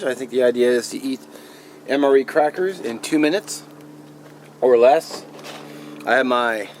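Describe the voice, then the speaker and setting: A man's voice: mid-range voice, slight background noise. A man hosting a challenge video, chatting casually to viewers. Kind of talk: casual vlog chat. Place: outdoors.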